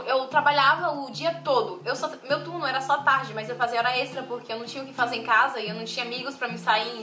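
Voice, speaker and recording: Young woman, light Bahian accent, high voice, emotional confessional vlog. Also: reverberant. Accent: softened Bahian Portuguese. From Bahia, Brazil. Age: young adult. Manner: emotional, confiding, talks straight to viewers. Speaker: vlogger. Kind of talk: personal life story vlog.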